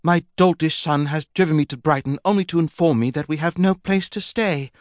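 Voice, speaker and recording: A man's voice: on the high side, a little fast, dry recording, studio quality, pitched above the performer's own voice, natural voice. A man voicing a haughty, imperious older aristocratic lady with a disapproving manner. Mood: curt.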